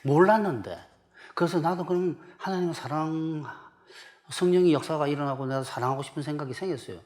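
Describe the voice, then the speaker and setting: A man's voice: on the high side, a little fast, a little mellow. A middle-aged man from South Korea preaching a sermon as pastor, emphatic and full of rhetorical questions to the congregation.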